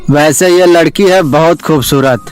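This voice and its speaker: A man's voice: on the high side, a little slow, faint music behind, lightly acted. A man playing a scheming, cruel young husband in a storybook tale, mocking and theatrical. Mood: gloating.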